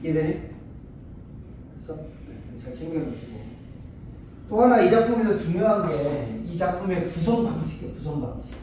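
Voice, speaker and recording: A male tutor lectures a class in a high, animated voice with a mellow tone. He keeps checking in with his students and slips into short acted-out exchanges to make a point. The recording sounds echoey and distant, as if taken from across a classroom, with faint noise behind it. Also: normal speed, pauses often. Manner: asks students frequent check-in questions; acts out short dialogues to explain. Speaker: Korean literature tutor. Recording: echoey room, mic far off, faint noise.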